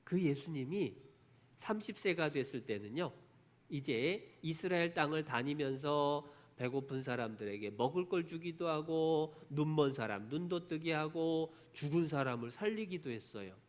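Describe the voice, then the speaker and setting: A man's voice: animated, moderate pace. A man teaching an online Bible lesson for children. He keeps asking the kids questions and then answering them himself, telling the story with strong emphasis. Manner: emphatic storytelling with big pitch swings.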